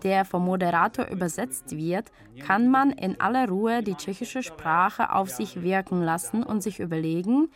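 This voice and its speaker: A woman narrates a radio documentary, reading a prepared script in an even, measured voice. Her pitch sits at a middle level for a woman.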